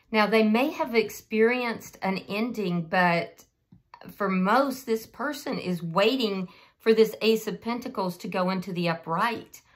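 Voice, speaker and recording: Speaking straight to the listener as the channel's host, a woman gives a casual, unscripted tarot reading. Her voice is medium-pitched and a little hoarse.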